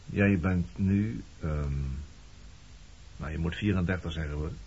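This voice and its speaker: Radio drama casting: weathered sailor nearing forty, low voice, blunt and probing, on a muffled recording. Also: male voice, unhurried, a little mellow, exaggerated voice. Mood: nonchalant, appraising. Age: late 30s. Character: weathered roaming sailor nearing forty, blunt, nosy, nonchalant old flame. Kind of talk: Dutch radio play dialogue. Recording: dull lo-fi radio recording, clear noise.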